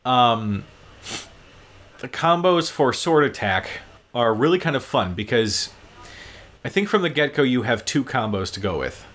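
A man giving casual, explanatory gameplay commentary, haltingly, as he plays. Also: medium pitch, animated, fairly bright tone. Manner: explanatory, halting while playing. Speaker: gaming show co-host and player.

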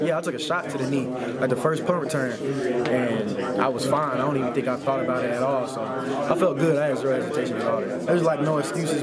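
A young man, a college football player, giving a relaxed postgame interview into handheld reporter mics in a locker room. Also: medium pitch. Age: young adult. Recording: loud crowd noise around.

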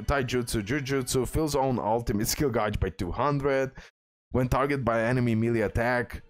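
A man talks as a gaming YouTuber, running through rankings in a casual commentary style. His delivery is informal and hyped, leaning on emphatic superlatives. Faint music plays behind his voice. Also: mid-range voice. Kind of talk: casual game tier list commentary. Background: background music.

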